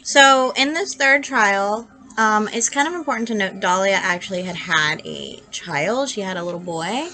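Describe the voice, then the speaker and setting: A woman with a bright, forceful voice that is stuffed up and nasal from being sick. She talks casually to camera as a true crime host, chatty and blunt with her opinions, as if talking is a little painful. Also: mid-range voice, moderate pace, hardly any pauses. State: sick with congested nasal voice, hurts to talk.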